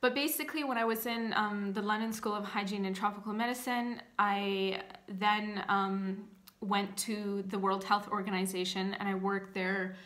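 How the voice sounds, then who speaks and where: A woman's voice: medium pitch, steady tone, normal speed, a bit bright. Woman in her thirties from Canada, casual vlog storyteller, rambling with fillers, close webcam in a small room. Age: 30s. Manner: chatty, many fillers and restarts. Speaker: channel host. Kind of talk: casual personal storytelling to camera. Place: small indoor room, seated.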